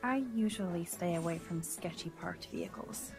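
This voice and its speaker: A woman's voice: lowish voice, normal speed, music in the background, close to an everyday voice. A young woman voicing an observant teenage student in a video game, with dry, wry musings.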